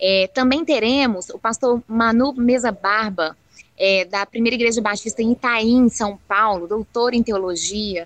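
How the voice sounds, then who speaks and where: Delivered in a normal speaking voice, the speech is fairly slow with ordinary pitch variation and a dry, close sound with no echo. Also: woman. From Bahia, Brazil (Feira de Santana). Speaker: church event coordinator. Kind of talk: radio interview.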